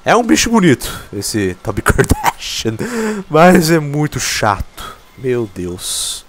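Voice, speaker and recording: A man's voice: medium pitch, slow, noisy background. A man giving casual, profane, joking commentary while playing a video game. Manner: excitable, swears a lot, jokes at the game. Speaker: gameplay commentator. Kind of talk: casual let's play commentary. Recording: faint game music behind.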